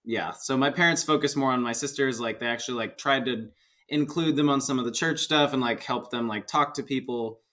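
A man's voice: mid-range voice, brisk, bright, forceful tone. Young american guy telling stories on a podcast, laughs at himself a lot, middle voice. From United States. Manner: laughs often, self-deprecating storytelling. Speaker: podcast guest. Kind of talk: casual chat.

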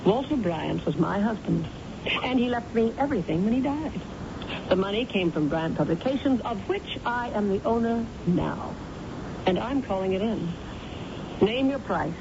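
A woman acts out a hard-nosed female company boss with a clipped, businesslike manner. Her voice sits at a middling pitch in a radio play, on a muffled recording with clear background noise. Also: lively intonation, moderate pace, lightly acted. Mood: firm, hard. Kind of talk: radio drama acting. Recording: muffled, noisy old radio broadcast.

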